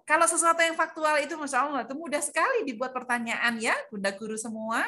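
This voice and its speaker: A woman's voice: high voice, fast talker, sharp tone. A woman presenting an online workshop for preschool teachers over a video call, quizzing her audience and calling on participants by name. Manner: questioning, drills the audience, calls out participants by name.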